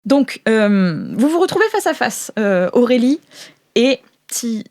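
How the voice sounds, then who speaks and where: A woman narrating an improvised role-playing game as game master, informal and halting, often repeating her words. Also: fairly high pitch, very animated, a little mellow.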